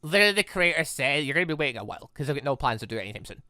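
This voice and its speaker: A man hosting a gaming video, chatting casually in a rambling, excitable way as he comments on his playthrough. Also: fairly high pitch, racing, dry recording, clean studio sound. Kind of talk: casual let's play commentary.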